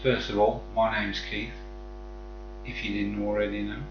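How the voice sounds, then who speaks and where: A man's voice: on the low side, flat delivery, normal speed, creaky. A man from the West Midlands with a Black Country accent, chatting casually and matily to viewers on a live stream. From West Midlands, England. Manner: friendly, matey address to viewers. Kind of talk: casual chat. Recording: dull sound, echoey room, faint music.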